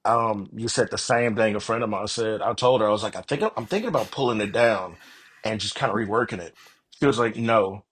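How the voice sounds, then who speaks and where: A man's voice: lowish voice, a little fast, a bit bright, breathy edge. A man speaking as an author guest in a casual interview, telling stories earnestly and self-deprecatingly and voicing his own thoughts. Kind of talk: casual, animated interview chat.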